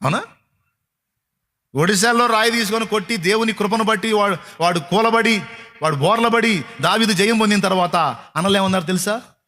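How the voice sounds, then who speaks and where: A man's voice: high-pitched, moderate pace, long pauses, bright, forceful tone. A man preaching a sermon, firing rhetorical questions at his listeners and mocking their complaints.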